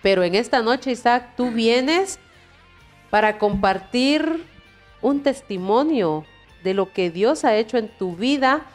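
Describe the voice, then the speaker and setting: A woman's voice: fairly high pitch, lively intonation, slow pace, faint music behind. A woman hosting a Christian testimony interview, speaking in a churchly way and prompting her guest with frequent questions. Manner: warm preachy phrasing with frequent "¿verdad?" prompts. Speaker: host.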